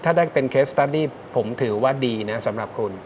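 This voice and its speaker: A man's voice: mid-range voice, moderate pace, darkish tone, highs cut off, slight background noise. A man hosting a live call-in astrology show, reassuring callers and repeating his key points. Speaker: astrologer host. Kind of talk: live call-in fortune reading.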